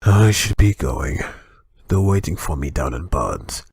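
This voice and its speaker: A very raspy, low older coroner reports in a formal, matter-of-fact manner. It is a dry studio drama performance with a gravelly edge. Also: male voice, big pitch swings, unhurried, darkish tone, dry recording, exaggerated voice. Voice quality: gravelly, husky.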